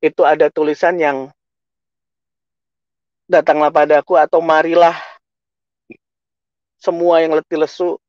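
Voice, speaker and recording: A man's voice: fairly high pitch, darkish tone, no room sound, dull audio. A man giving an emotional personal testimony to a congregation, telling his story earnestly and acting out what he said. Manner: earnest, emotional storytelling with many self-quotes.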